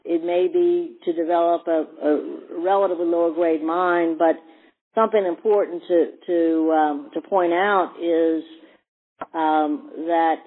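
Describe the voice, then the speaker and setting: A male company executive presenting on an earnings call in a halting way, often repeating words. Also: a little high, steady tone. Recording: tinny narrow phone-line sound.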